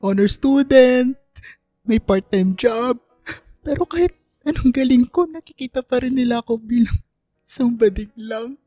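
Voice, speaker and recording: A woman's voice: a little high, a little slow, mellow, no echo, faint music behind. A woman playing an insecure young gay student in an emotional, hesitant radio drama performance. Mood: anguished, self-pitying. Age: young adult. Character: tipsy, insecure young gay student, self-doubting and giggly.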